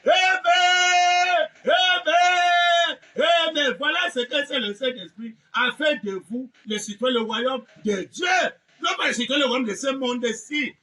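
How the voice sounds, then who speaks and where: Shouting in a very high, pushed, bright voice, a man preaches a fiery revivalist sermon slowly and with few pauses. He is exclamatory and theatrical, insistently repeating phrases and amens and throwing in mocking asides. The distant mic picks up faint background noise.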